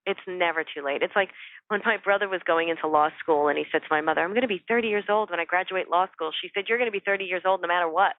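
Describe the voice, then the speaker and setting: A woman's voice: fairly low pitch, quick pace, dry recording. A woman speaking as a spiritual teacher and interview guest, giving earnest, emphatic motivational advice in a conversational way. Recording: phone-like, narrow-band dry call audio.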